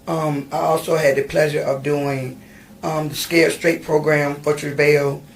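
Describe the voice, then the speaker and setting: Gravelly-voiced woman telling her story. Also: low-pitched, little pitch movement, a little slow, a little hiss or hum. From Virginia, USA. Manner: hesitant, many ums and restarts. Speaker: guest. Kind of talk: personal storytelling in an interview. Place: podcast studio.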